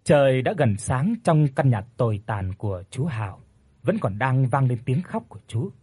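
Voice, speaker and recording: A man narrating a scripted ghost story in a steady, measured way. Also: medium pitch, slightly rough, dry recording.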